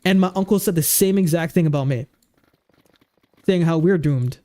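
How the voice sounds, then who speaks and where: A man's voice: a little high, moderate pace, mellow. Goofy rambling streamer guy in his twenties. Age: 20s. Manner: rambling, full of fillers and restarts; goofy, easygoing. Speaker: livestreamer. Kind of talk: casual livestream chat.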